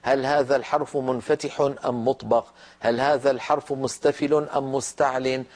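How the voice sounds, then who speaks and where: Man teaching Quran recitation, measured pace. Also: medium pitch, fairly even intonation, darkish tone. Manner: measured explanatory lecturing, demonstrates letter sounds slowly. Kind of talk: televised religious lesson.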